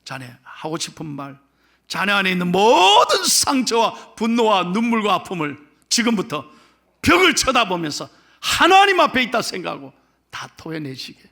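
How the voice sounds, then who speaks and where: A man doing a calm, hushed old rabbi. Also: high voice, normal speed, creaky, pitched above the performer's own voice, heavily acted. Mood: soothing. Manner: hushed, soothing counsel.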